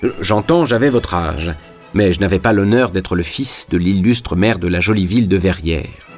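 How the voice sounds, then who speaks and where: A man's voice: low-pitched, normal speed, faint music behind, lightly acted. A man voicing a cheerful young Neapolitan singer with a playful, exaggerated Italian accent. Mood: gay, playful. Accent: Italian, played up. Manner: merry, playful storytelling.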